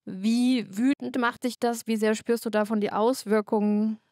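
A woman's voice: on the high side, level tone, moderate pace, darkish tone, no echo, clean studio sound. A woman interviewing a guest at a film festival, asking friendly, informal questions.

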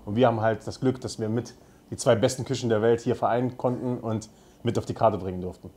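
A man's voice: lowish voice, fairly even intonation, fast, warm tone, breathy edge. A man in his thirties from Saarbrücken speaking earnestly and steadily in an interview. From Germany (Saarbrücken). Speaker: restaurant co-owner. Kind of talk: interview statement.

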